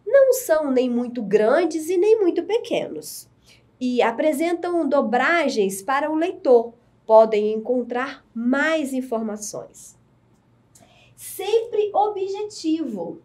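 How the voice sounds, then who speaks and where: A woman teacher giving a recorded lesson to adult learners, explaining slowly and clearly. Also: high-pitched, very animated, a little mellow. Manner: slow, clear, deliberate explaining.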